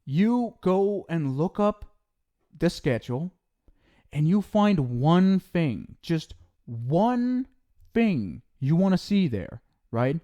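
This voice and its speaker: A man's voice: a little high, big pitch swings, slow pace, mellow, highs cut off. A young man in an ASMR roleplay, scolding the listener in a teasing but caring way. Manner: scolding yet affectionate, playful teasing.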